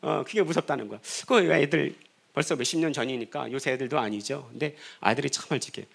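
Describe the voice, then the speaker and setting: A man's voice: mid-range voice, a little fast, creaky, fairly bright tone. A middle-aged man, a pastor, preaching a sermon and telling his own story with rhetorical questions and acted-out dialogue. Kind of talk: sermon testimony. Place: church sanctuary.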